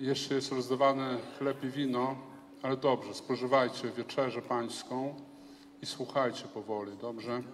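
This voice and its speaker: A man speaks at a medium pitch in a flat monotone. Audible echo fills the room. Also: moderate pace. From Ukraine. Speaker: pastor. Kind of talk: sermon. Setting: church.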